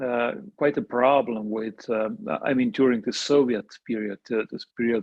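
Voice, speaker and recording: A man with an Estonian accent, medium in pitch for a man, at a moderate pace. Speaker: pastor. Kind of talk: interview. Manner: halting, many fillers and repetitions.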